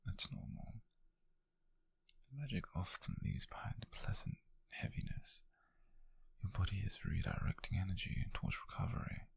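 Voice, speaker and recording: A British man playing a gentle, teasing witch mentor in an ASMR roleplay, speaking in a breathy, hushed half-whisper with soothing, intimate phrasing. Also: sits low, lively intonation, no room sound, full character voice. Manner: soothing, intimate, unhurried, softly formal phrasing. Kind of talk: ASMR roleplay addressed to the listener.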